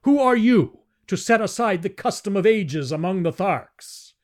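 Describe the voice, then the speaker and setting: A cold, hard old alien elder who demands justice in a raised, high voice, as a male reader puts him on. His speech swings widely in pitch, from a storybook reading. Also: animated, measured pace. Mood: indignant. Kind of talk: audiobook character reading.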